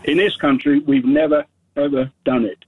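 A man's voice: medium pitch, moderate pace, breathy edge. A seventy-year-old man calling into a radio talk show, insistent and talking over the host. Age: 70s. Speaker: caller. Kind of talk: radio phone-in call. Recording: phone line.

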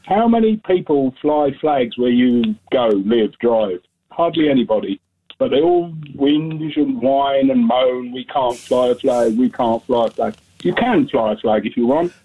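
A man's voice: mid-range voice, lively intonation, unhurried, slightly rough. A seventy-year-old man calling into a radio talk show, insistent and talking over the host. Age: 70s. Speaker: caller. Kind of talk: radio phone-in call. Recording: phone line.

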